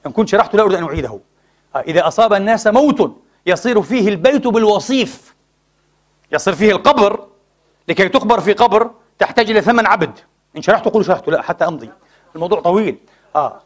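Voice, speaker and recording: A male preacher from Palestine delivers an impassioned sermon in a mosque. His voice sits high and he talks quickly, moving between casual everyday speech and formal phrasing. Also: lively intonation. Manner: impassioned, mixes colloquial Arabic with formal speech. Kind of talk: Friday sermon.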